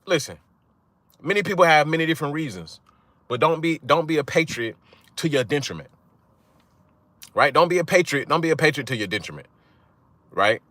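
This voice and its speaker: Young man, blunt rant-style host, bright edge, dry close mic. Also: a little high, expressive, fairly quick, long pauses, no room sound. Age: young adult. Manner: blunt, profane, repeats "right?" for emphasis. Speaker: channel host. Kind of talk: casual monologue to viewers.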